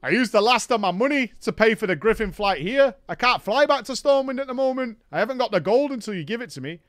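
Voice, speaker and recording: A man's voice: very high voice, expressive, fast talker, a bit bright, no echo, clean studio sound, voice pushed up. A man doing a whiny gamer bloke. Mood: sheepish. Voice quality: whiny, insistent, says mate a lot. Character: pushy clueless male gamer friend, adult.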